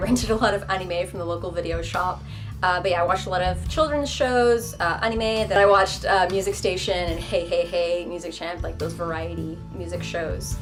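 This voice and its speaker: Chatty young woman over background music. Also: on the low side. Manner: chatty and self-deprecating, with quick voiced asides. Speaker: vlogger. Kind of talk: casual talk to camera.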